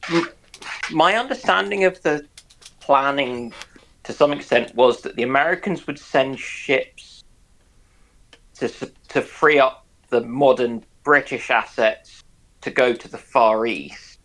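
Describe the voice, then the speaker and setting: A man in a casual panel chat, explaining things haltingly and circling back over his phrases. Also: medium pitch, fairly bright tone, poor audio. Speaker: discussion panellist.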